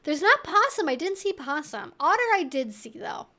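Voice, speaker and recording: Female streamer, high-pitched voice, informal and wry, reacting aloud to viewer messages. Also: sing-song, moderate pace, bright, forceful tone. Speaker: livestream host answering viewer chat. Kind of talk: casual livestream chat.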